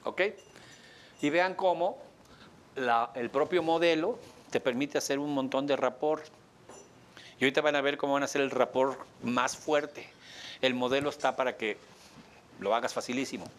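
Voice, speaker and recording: Man, coaching instructor, workshop lecture, animated, acts out client lines, middle pitch, faint background noise. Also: moderate pace, long pauses. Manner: asks the audience questions.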